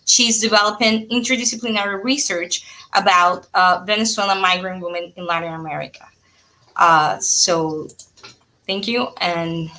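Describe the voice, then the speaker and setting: Bright-voiced woman moderating a webinar. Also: medium pitch. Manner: formal, with frequent "uh" fillers. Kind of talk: reading speaker introductions.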